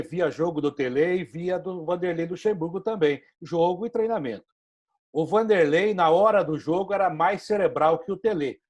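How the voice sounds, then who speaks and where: A male host with a Brazilian Portuguese accent chats on a sports talk show. His voice sits a little high, and he builds his opinions in long, fluent stretches. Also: darkish tone. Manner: opinionated, flowing commentary. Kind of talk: casual interview chat.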